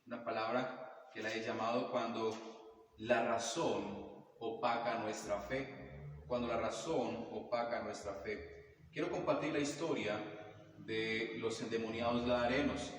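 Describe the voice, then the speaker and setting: A man pastor preaching a sermon, greeting the church and reading scripture in a measured, reverent way. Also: medium pitch, heavy reverb, big-room sound, recorded from a distance, a little hiss or hum, rough recording.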